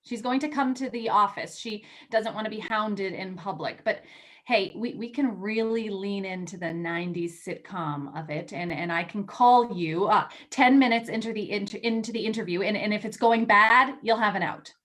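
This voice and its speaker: A woman playing an eager, teasing young magazine editor in a staged play reading, talking in animated, halting bursts as she persuades. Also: medium pitch, natural voice. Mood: pleading, relieved. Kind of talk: virtual staged play reading, naturalistic dialogue.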